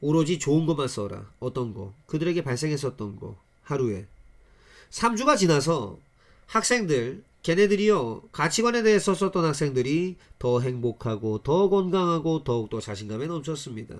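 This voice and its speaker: A man's fairly high, animated voice with very wide pitch swings, on a very clean recording with a silent background. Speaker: English teacher. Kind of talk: lecture.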